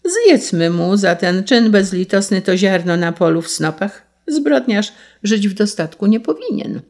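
A woman voicing a small, righteous male sparrow who takes revenge, declaiming in a high, stern voice. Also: very animated, measured pace, a little mellow. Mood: grave.

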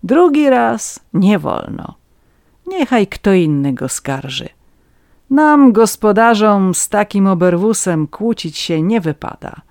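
A reader voicing a shrewd, calm peasant farmer, a man who asks dry, measured questions. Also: medium pitch, no echo, voice pushed up. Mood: sly.

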